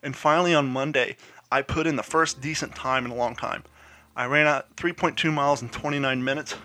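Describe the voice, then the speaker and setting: Congested from a head cold, a man tells a meandering personal story on his own podcast, chatty and poking fun at himself. Into his podcast mic, he speaks at a medium pitch with a steady, sharp tone and a brisk pace.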